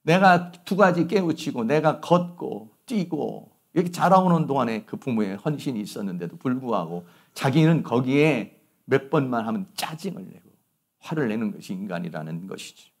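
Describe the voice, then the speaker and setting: A man's voice: mid-range voice, animated, moderate pace. A middle-aged male pastor preaching a sermon, telling stories and asking rhetorical questions.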